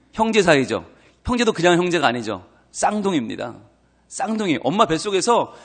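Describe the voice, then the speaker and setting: A middle-aged man with a Busan Gyeongsang accent preaches an early-morning sermon in a fairly high voice. His pitch rises and falls widely as he throws rhetorical questions at the congregation. He slips into quarrelsome acted dialogue. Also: a bit bright. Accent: Busan Gyeongsang Korean. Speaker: pastor.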